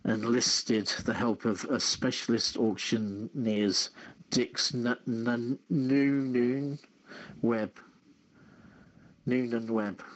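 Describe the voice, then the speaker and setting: A man hosting a radio show, reading news stories informally in a halting way, stumbling and repeating words. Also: lowish voice, rough recording.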